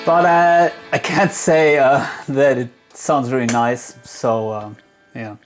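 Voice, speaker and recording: A man talking casually through a product demo as a gear reviewer, in a hesitant, halting way as if thinking aloud. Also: medium pitch, steady tone, music in the background.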